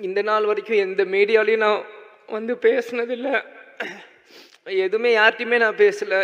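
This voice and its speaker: A young man giving a tearful, halting speech on a large indoor stage into a handheld mic. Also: high-pitched, a bit bright. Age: young adult. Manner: halting, choked up, restarts often. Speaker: speaker at a memorial gathering. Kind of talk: emotional public speech. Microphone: handheld mic on a stand. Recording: muffled sound in a long-reverb hall.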